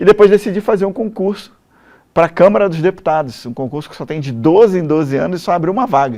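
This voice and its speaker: A man with a Rio de Janeiro accent speaks at a very fast pace and a high pitch. His intonation is lively. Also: big swings in loudness. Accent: carioca (Rio de Janeiro). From Rio de Janeiro, Brazil. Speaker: politician, former army officer. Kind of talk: TV interview. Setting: TV studio.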